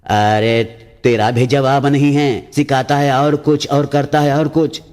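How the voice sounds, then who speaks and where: A man's voice: mid-range voice, moderate pace, a little mellow, close to an everyday voice. A man voicing a stubborn, pious old man on a rooftop who scolds people. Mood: indignant. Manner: scolding, indignant. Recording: long hall reverb.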